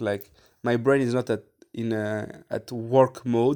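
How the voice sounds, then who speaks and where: A man's medium-pitched voice with a non-native accent and fairly even intonation, in a very clean recording with a silent background. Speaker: podcaster. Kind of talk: solo podcast monologue. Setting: solo audio recording. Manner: hesitant, many fillers.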